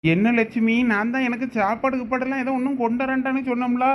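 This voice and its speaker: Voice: mid-range voice, flat delivery, fast talker, a little hiss or hum, close to an everyday voice. A performer playing a practical, concerned middle-aged village husband giving chores in a village drama. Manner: plain instructing, concerned.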